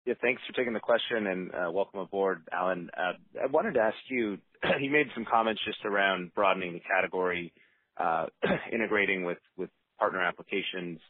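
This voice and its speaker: Deep, husky man on a phone line. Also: fairly quick, no room sound. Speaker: financial analyst asking questions. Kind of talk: spontaneous conference call question. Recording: dry, narrowband phone line.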